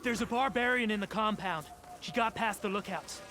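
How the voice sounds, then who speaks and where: A man's voice: sits high, normal speed, bright, forceful tone, soft background music. A man playing a hostile, zealous tribal soldier in a video game, calling out commands. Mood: stern, alarmed. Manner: commanding battle calls. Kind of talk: video game combat acting.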